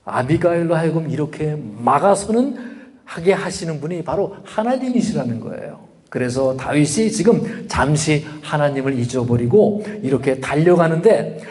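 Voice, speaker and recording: Korean pastor preaching in a reverberant church. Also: male voice, on the high side, big pitch swings, normal speed, darkish tone. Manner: conversational preaching with rhetorical questions and acted quotes. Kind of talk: sermon. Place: church sanctuary. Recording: long reverb of a church hall.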